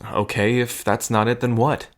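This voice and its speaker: A man's voice: medium pitch, little pitch movement, normal speed, natural voice. A man acting in an audio drama as a protective, wry cousin in a gambling scheme, talking in an earnest, conversational way. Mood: reassuring, earnest. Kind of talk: scripted audio drama acting, addressed to the listener.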